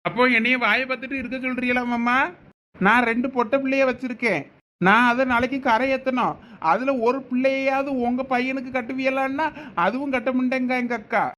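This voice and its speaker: A man voicing a high, insistent aggrieved brother. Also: steady tone, a little fast. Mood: angry. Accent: Thoothukudi Tamil. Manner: loud, insistent arguing. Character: aggrieved middle-aged brother, father of two daughters. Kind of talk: cartoon family drama voice acting.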